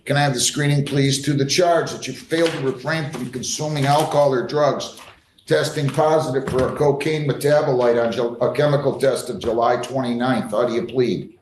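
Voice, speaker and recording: A man's voice: mid-range voice, fairly even intonation, moderate pace, a little mellow. A man presiding as a judge in a courtroom recording, questioning and admonishing in a blunt, plain-spoken way. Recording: echoey courtroom recording with faint noise.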